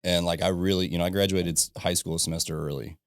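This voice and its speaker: A man in his thirties from southern Illinois, a guest on a podcast, chatting in a relaxed way with frequent laughs and "you know what I mean". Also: deep voice, quick pace, dry recording, clean studio sound. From southern Illinois, USA. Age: 30s. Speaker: podcast guest, ironworker and business owner. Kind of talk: casual conversation. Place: podcast studio.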